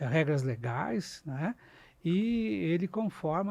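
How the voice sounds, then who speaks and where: A man with a fairly high pitch speaks at a very slow pace. His intonation is lively. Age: 60s. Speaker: lawyer. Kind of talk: interview. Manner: formal.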